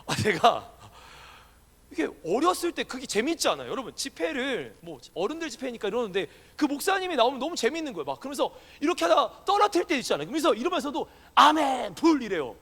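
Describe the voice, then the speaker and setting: A male pastor giving a conversational sermon to young adults, animated and playful, often asking the congregation questions. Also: extremely high pitch, fast talker, husky. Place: church hall. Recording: long church hall reverb.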